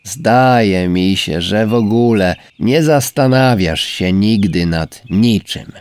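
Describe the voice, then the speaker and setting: A man voicing a proud, aloof male snail in a storybook reading, speaking slowly and coldly, as if lecturing. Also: lowish voice, expressive, a little mellow, no room sound. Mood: haughty. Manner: slow, indifferent, lecturing. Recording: faint background music.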